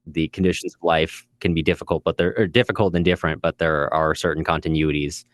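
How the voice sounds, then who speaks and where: A man's voice: a bass voice, steady tone, fast, dry recording, clean studio sound. A man hosting a podcast in conversational literary discussion, thoughtful and a little tentative in how he puts his points. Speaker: podcast host.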